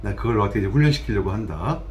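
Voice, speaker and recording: A man voicing a little girl from a comic strip who coaxes her balloon, speaking slowly in a gentle tone. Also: fairly low pitch, animated, recorded from a distance, lo-fi sound, natural voice. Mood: coaxing.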